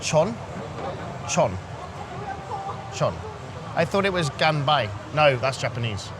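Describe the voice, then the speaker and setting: Teasing Londoner over clear street noise. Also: male voice, on the high side, big pitch swings, slow. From London, England. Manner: teasing, simplified broken English for a non-native listener. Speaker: dating coach chatting up women in public. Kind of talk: playful flirty chat. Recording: noisy outdoor street ambience with traffic. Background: traffic and urban noise.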